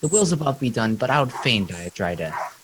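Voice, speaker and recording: A man playing a wry, loyal old counsellor in an amateur Shakespeare radio play, reading archaic lines haltingly. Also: mid-range voice, very animated, close to an everyday voice. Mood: wry resignation. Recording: clearly noisy live amateur recording.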